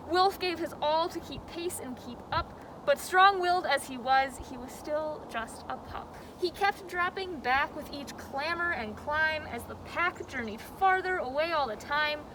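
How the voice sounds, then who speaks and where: A high-pitched woman hosts story time as a zoo educator, expressive and dramatic in her delivery. Clear outdoor noise, with some vehicle rumble, sits behind her voice. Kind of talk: animated children's storybook reading and educational talk.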